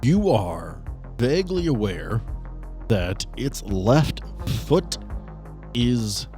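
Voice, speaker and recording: A man's voice: medium pitch, big pitch swings, very slow, dark tone, faint music behind. A man acting as game master, narrating and making rulings in a casual, conversational style.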